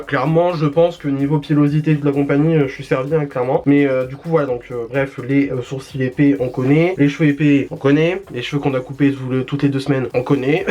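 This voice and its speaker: A man's voice: mid-range voice, a little mellow. Rambling chatty young man. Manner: rambling, chatty, heavy on fillers and restarts; self-mocking, laughs at himself. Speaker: beauty vlogger. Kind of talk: casual get-ready-with-me chat.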